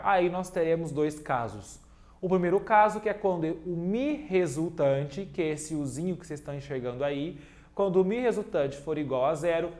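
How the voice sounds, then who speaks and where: Joking chemistry teacher. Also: male voice, high-pitched, darkish tone. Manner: playful, cracks jokes and teases himself between explanations; repeats key points step by step, addresses students directly. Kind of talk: online video lesson at a digital whiteboard.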